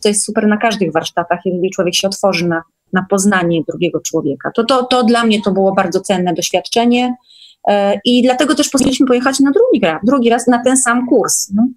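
A woman's voice: mid-range voice, brisk. A woman chatting casually as a guest in an online meeting, often checking for agreement.

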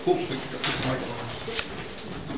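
Speaking slowly in a sing-song, medium-pitched voice, a middle-aged man narrates a story as presenter of a live audio drama. The indoor setting is a big wood-panelled conference hall, so the recording sounds distant and echoey, with audible background noise.

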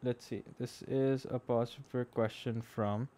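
A young Pakistani-accented maths teacher speaks a little slowly in a warm, mid-range voice with fairly even intonation, with no room sound. He streams his informal lesson live from a desk in a small room, using a close boom-arm microphone. Conversational, he checks in with "okay?" and switches between English and Urdu.

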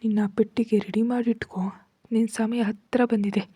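A woman's voice: a little high, little pitch movement, normal speed, mellow, slightly rough, no room sound. A woman voicing a scheming young woman in a storybook reading, whispering her lines in a sly, wheedling way. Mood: threatening.

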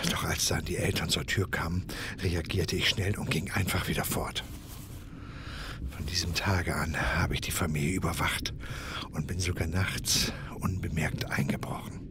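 An actor playing a grieving father turned kidnapper, speaking in hushed, menacing whispers in a radio drama. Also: low voice. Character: vengeful middle-aged father, unhinged kidnapper. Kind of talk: audio drama acting.

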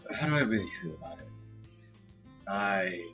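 A man's voice: lowish voice, expressive, normal speed, sharp tone, voice pushed down. A man voicing a lovestruck, earnest teenage schoolboy, reading game narration in a subdued way. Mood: wistful, smitten. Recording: dull lo-fi mic with game music.

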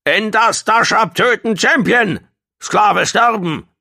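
A man's voice: sits high, takes it slowly, gravelly, pushed and bright, pitched above the performer's own voice, heavily acted. A man voicing a fat four-armed alien master in an audiobook, howling vindictively in broken, clipped grammar. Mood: furious, demanding. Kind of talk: audiobook character voice.

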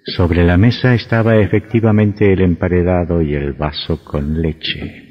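A man narrating a radio drama in a measured, suspenseful way. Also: low voice, steady tone. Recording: dull lo-fi audio with faint music.

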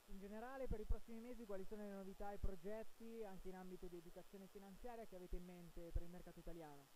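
High-voiced male interviewer, brisk and formal, hissy noisy trade-fair recording. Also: little pitch movement, warm tone. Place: trade-fair stand indoors. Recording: audible hiss and background noise.

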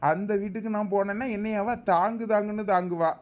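A man with a Thoothukudi Tamil accent, speaking high and grumbling in a village comedy sketch. The recording sounds dull and lo-fi. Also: fairly even intonation, a little fast. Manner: warning and grumbling. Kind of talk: village comedy drama acting.

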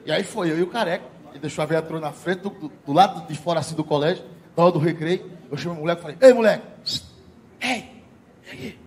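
A middle-aged man doing a stand-up comedy routine on stage, profane and animated, talking straight to the live audience. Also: on the high side, rapid-fire.

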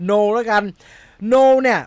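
Chatty Thai man with a high voice. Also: steady tone, a little slow, dry recording. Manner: rambling, laughs at himself, fumbles over a name. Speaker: movie news host. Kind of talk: casual chat about film news.

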